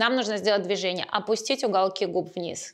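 A woman's voice shows ordinary pitch variation against a quiet background. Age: 50s. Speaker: facial exercise instructor. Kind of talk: tutorial. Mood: calm, gentle. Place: home room.

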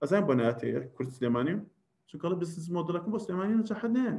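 The delivery moves at a very fast pace with lively intonation. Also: man. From Iraqi Kurdistan, Sulaymaniyah; Iraqi Kurdistan. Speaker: tech company CEO. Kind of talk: talk; business presentation talk. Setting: live stream presentation. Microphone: webcam.

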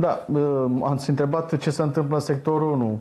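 A quiet background sits under a man talking fairly fast. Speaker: journalist. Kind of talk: political talk show debate. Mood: critical, concerned. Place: studio. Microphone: lapel.

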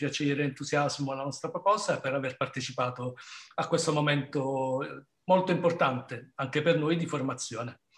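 Against a quiet background, a somewhat breathy man speaks at a fairly quick pace with ordinary pitch variation. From Italy. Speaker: festival director; festival host, moderator. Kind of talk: event presentation. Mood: warm, grateful. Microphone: video call.

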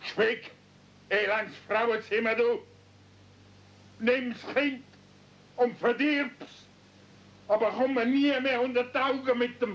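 Putting on a gruff character voice with an extremely high pitch, a man talks at a fairly slow pace with fairly even intonation and long, frequent pauses. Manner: stubborn, gruff, angry.

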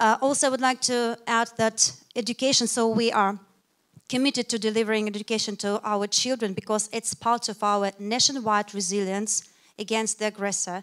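In an ordinary speaking voice, a woman talks at a moderate pace with a fairly high pitch and fairly even intonation, the sound dry and close with no echo on a very clean recording with a silent background. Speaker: school representative. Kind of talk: audience question.

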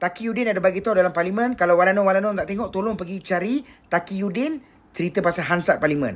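Here a man speaks loudly at a very fast pace. His pitch is high, with ordinary variation. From Perak, Malaysia. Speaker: live-stream political commentator host. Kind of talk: angry rant. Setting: live stream with viewers commenting. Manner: ranting, loud, sarcastic, indignant, fast and repetitive. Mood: agitated, indignant. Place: home room. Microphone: phone near.

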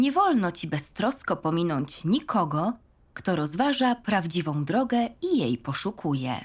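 Her pitch medium but swinging very widely, a woman speaks at a fairly slow pace in a somewhat breathy voice. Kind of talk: testimony.

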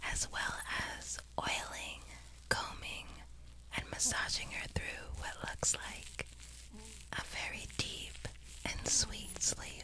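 A woman whispers at a very slow pace, with long pauses coming often. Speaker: ASMR creator. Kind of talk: ASMR narration. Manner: soft-spoken. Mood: tender, calm. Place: home room.

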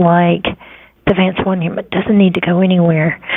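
A woman speaks with an Appalachian accent. Her fairly low voice has monotone, flat intonation. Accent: Southern Appalachian US. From US South, western North Carolina. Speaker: caller. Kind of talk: public comment. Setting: phone call.

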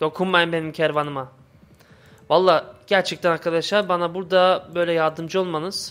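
A man speaks at a moderate pace in a bright, sharp, high-pitched voice with monotone, flat intonation. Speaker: gaming video creator. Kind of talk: let's play gameplay commentary.

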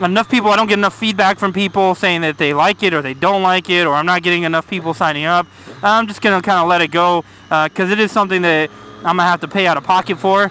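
In a raised, projected voice, a man talks at a very fast pace, the sound dry with no echo and light background noise underneath. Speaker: motovlogger. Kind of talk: casual vlog chat. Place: motorbike. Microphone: helmet.

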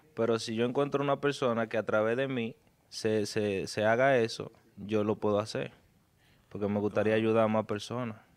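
With a Dominican accent, a man speaks at a moderate pace. His medium pitch carries fairly even intonation. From Dominican Republic, Salcedo; Dominican Republic. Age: young. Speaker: Uber driver, rescuer of a woman; interview guest. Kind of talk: interview, personal story. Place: studio. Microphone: handheld.

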